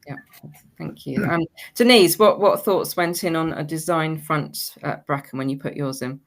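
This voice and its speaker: Woman hosting a panel webinar, low voice, chatty moderator asking questions. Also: normal speed.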